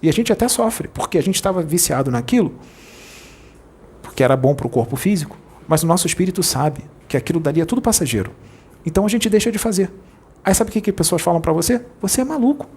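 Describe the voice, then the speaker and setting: Gravelly-voiced playful Brazilian medium. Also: male voice, fairly high pitch, lively intonation, darkish tone. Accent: Brazilian Portuguese. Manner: playful, jokey, rushes his words. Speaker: spirit medium. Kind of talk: informal spiritual preaching.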